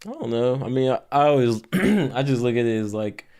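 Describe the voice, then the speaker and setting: A man's voice: medium pitch, expressive, brisk, a little mellow. A young man co-hosting a podcast, talking in an easygoing, slangy way with casual cursing. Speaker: podcast co-host. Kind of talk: casual chat.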